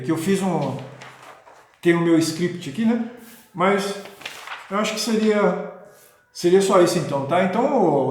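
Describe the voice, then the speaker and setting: A man talking in a rambling, casual way with many restarts and checking questions, as host of his own video. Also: sits high. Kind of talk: casual spoken talk on spirituality. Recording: very echoey room.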